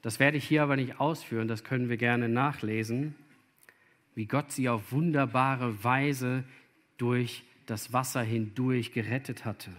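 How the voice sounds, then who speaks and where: A man preaching with a deliberate, unhurried delivery. He speaks earnestly and turns straight to his young listeners. His voice sits at an ordinary middle pitch. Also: steady tone, fairly bright tone. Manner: earnest, addresses listeners directly. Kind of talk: sermon to children or youth.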